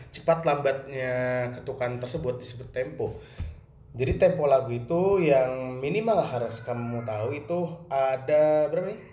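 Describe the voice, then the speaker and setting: Speaking in a medium pitch with a slightly mellow quality, a Jakarta-accented male teacher lays out a music lesson simply and answers the questions he asks himself. The lesson was recorded for students in a roomy setting with faint ambience and slight background noise.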